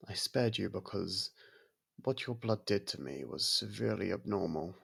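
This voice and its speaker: A man playing an aloof centuries-old vampire who grudgingly cares for a human, in an intimate ASMR roleplay, gravelly, husky and measured with a slightly haughty, halting delivery. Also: low voice, lively intonation, a bit bright, exaggerated voice. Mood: measured, explanatory.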